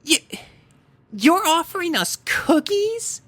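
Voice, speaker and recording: A man's voice: very high voice, sing-song, slow pace, a bit bright, voice pushed up, full character voice. A man voicing a haughty, snappish young girl pony in a fan fiction storybook reading. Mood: haughty, indignant. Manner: snooty, snappish. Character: haughty young schoolgirl pony filly, bossy and indignant.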